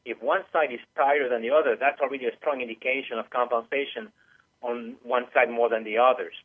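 Calling in to a radio interview, an animal massage teacher talks a little fast in a steady, mid-range voice. His phone line sounds tinny, and his patient explanations are dotted with small hesitations and plenty of "uh"s.

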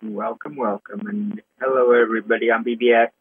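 A man's voice: mid-range voice, level tone, a little fast, a little hiss or hum. A man chatting casually and greeting people on a conference call. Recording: muffled narrow phone line.

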